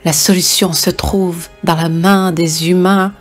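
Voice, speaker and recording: A woman voicing a sober, knowing sow in a cartoon fable, explaining things in a measured way. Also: fairly low pitch, fairly even intonation, faint music behind, lightly acted. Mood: grave, informative. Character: sober, knowing adult female pig advising the herd.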